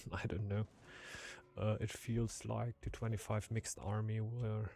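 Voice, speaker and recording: A man whispers at a moderate pace, soft-spoken and somewhat breathy. The recording is very clean, with a silent background. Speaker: game streamer. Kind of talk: casual gaming stream commentary. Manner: soft-spoken, near whispering.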